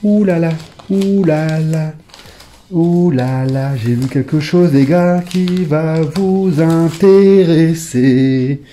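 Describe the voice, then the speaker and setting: Dark-voiced casual man chatting to viewers. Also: a little high, very slow. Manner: chatty, talks straight to viewers, sudden excited exclamations; hesitant, many fillers while reading names. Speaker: YouTuber showing his old trading cards. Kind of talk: casual off-the-cuff commentary.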